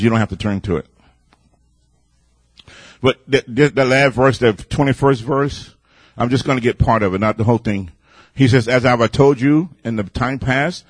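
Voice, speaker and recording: A man preaching a sermon in a loud, boisterous way, building up to near shouting and easing back into storytelling. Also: medium pitch, slightly rough, no room sound.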